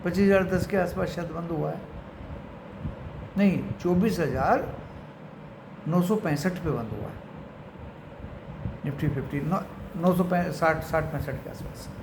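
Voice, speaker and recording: An Indian man with a slightly high voice speaks in an echoey room with clear noise behind him. He gives unscripted market commentary as a channel host. He often slips into English phrases and addresses his viewers as friends. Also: measured pace, pauses often.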